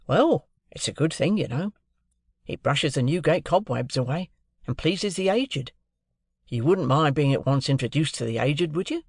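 A man's voice: a little high, lively intonation, normal speed, slightly rough, no room sound, clean studio sound. Man doing Wemmick, a proud cheerful clerk. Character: cheerful proud middle-aged male clerk.

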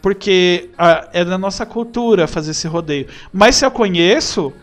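High-voiced animated Brazilian man. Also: moderate pace, soft background music. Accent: Brazilian Portuguese. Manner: animated, acts out quoted dialogue. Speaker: podcast guest. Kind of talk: casual chat.

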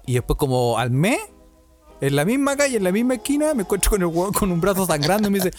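A man's voice: high-pitched, fast talker, faint music behind. A young man with a Chilean accent, co-hosting a casual podcast and telling an anecdote with lots of slang, acting out the voices of people in it. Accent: Chilean Spanish. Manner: animated, acts out voices in anecdotes, heavy slang, frequent laughs. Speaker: podcast co-host. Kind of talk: casual storytelling chat.

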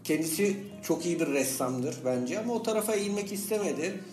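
A man with a slightly high voice banters casually as a podcast co-host. He is playful and teasing, talking in loose slang. The room echoes noticeably around him, with faint music underneath. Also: lively intonation, brisk, a little mellow. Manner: jokey, teasing, colloquial with slangy exclamations. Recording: roomy, echoing room sound.

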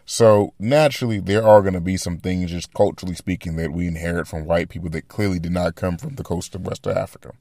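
Deep-voiced man musing aloud, dry sound. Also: fairly quick, creaky, few pauses, mellow, no room sound. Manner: rambling, thinking aloud with restarts. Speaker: podcast host. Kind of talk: casual commentary monologue.

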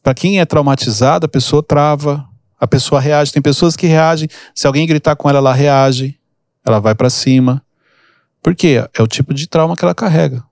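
On a podcast, a male host and mentor explains emotional triggers through casual stories, acting out the people he quotes in a relaxed teaching chat. His voice sits on the high side and sounds gravelly, at a normal speed. The studio recording is clean and dry, with no echo.

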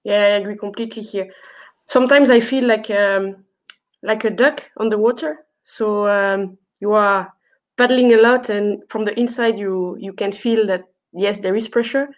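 A woman's voice: medium pitch, steady tone, normal speed. Belgian woman with a mid-range voice. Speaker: interview guest, field hockey umpire. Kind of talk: conversational interview answers.

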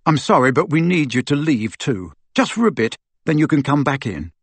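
A man's voice: on the high side, big pitch swings, moderate pace, slightly rough, no room sound, heavily acted. A man voicing a teenage boy hero in an audiobook story, urgent, direct and determined. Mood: apologetic.

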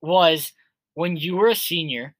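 Young man in his twenties, rambling casual chat, bright voice, dry close sound. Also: a little high, measured pace, no echo. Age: 20s. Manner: rambling, heavy on filler words. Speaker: podcast co-host.

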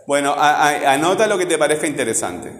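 A male teacher, patiently drilling a class and repeating phrases slowly. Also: on the high side, expressive, slight background noise. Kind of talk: classroom lesson. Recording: echoey classroom with long reverb.

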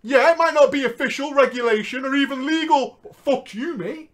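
A man speaking at an extremely high pitch and a little fast hosts a comedic show, where he reads viewers' stories aloud and banters with a co-host. He laughs frequently and jumps between loud bursts and quiet asides.

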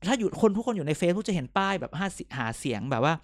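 Man, podcast co-host, quick speech, blunt gossipy chat. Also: high-pitched, lively intonation. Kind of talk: casual political chat.

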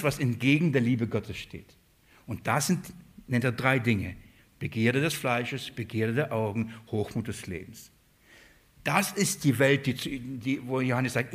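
A man preaching a Bible-study sermon, putting questions to his listeners and answering them himself. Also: medium pitch.

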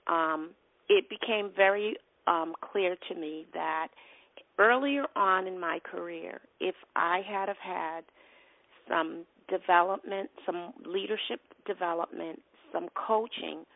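A middle-aged nonprofit president from Boston, USA, with a Boston accent, answers interview questions earnestly as a guest, repeating and restarting phrases as she goes. Her voice is on the low side with vocal fry. There's no room sound, but the line sounds tinny and phone-like.

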